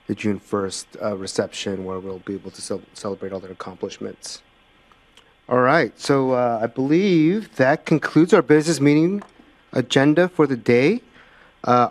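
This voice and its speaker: A man whose first language is Korean, chairing a formal public meeting and dropping dry, self-deprecating jokes. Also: mid-range voice.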